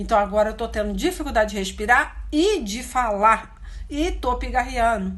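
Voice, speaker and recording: The speech comes at a moderate pace, with audible room echo. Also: woman. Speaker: preacher. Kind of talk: sermon. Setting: indoors at a desk.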